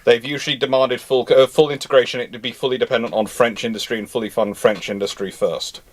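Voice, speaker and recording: Male host, mid-pitched, stammering restarts, probing questions, conversational. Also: steady tone, fast. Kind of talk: conversational live debate.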